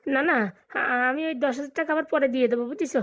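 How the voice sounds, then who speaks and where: A woman's voice: sits high, fairly even intonation, fast, a bit bright. A woman voicing a nervous, balding young bridegroom in a comic cartoon, hesitant and deferential. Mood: wheedling.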